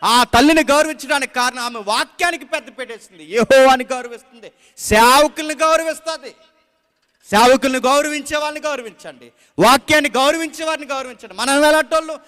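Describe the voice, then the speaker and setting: A man's voice: extremely high pitch, pushed and bright. A man preaching a sermon, emphatic and full of rhetorical questions, in a church. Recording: long church-hall reverb.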